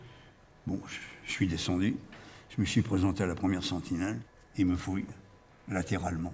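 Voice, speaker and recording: Man's very deep, low, somewhat breathy voice at a fairly slow pace. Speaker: former resistance fighter and deportee. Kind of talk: testimony. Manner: halting, frequent repetitions.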